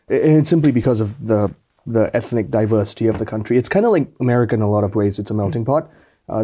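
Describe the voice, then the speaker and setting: A man's voice: on the low side, mellow. A man from Malaysia, a guest explaining things articulately with some repeated starts. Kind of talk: interview storytelling.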